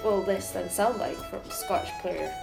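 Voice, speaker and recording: A young woman folk musician from Sweden, raised in Norway, thoughtfully explaining her views on music. Her voice rings in a roomy space, and folk music plays clearly behind her. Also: medium pitch, normal speed. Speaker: folk musician, mandola player. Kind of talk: casual interview talk.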